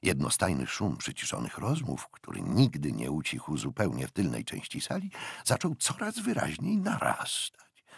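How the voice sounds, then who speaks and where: An older man narrating a historical novel as an audiobook, with expressive, deliberate phrasing and dramatic pauses. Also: on the low side, vocal fry, slightly rough, no room sound, clean studio sound.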